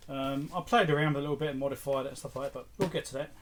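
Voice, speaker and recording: A man's voice: medium pitch, fairly even intonation, very fast. A middle-aged man hosting a casual, unscripted show-and-tell in a chatty, rambling way. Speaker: electronics repair video host. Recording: clear background noise with clicks.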